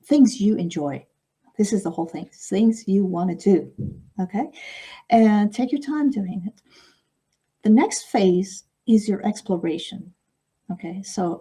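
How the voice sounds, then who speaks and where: A woman's voice: medium pitch, lively intonation, moderate pace, mellow, breathy edge. A middle-aged woman whose first language is Arabic, a guest author in a podcast interview, speaking reflectively and often ending points with "okay?".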